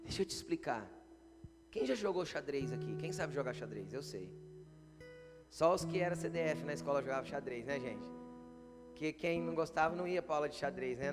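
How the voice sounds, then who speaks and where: A man preaching a sermon, putting frequent rhetorical questions to the congregation. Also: medium pitch. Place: church hall. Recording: long church hall reverb, faint guitar.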